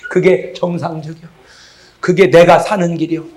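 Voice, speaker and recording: A middle-aged man preaching a humorous revival sermon to a congregation, telling stories from home and acting out his wife's replies, sometimes shouting. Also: fairly high pitch, flat delivery, moderate pace. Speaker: pastor. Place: large church revival meeting.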